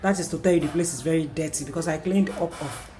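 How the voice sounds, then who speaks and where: A woman's voice: deep voice, quick pace, mellow. A woman in her thirties with a Nigerian accent, chatting casually to camera in a home vlog, repeating herself as she goes. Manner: chatty, repeats herself, playful bursts of self-praise. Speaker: vlogger and mother. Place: small home kitchen indoors. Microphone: camera on tripod. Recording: noisy home camera recording.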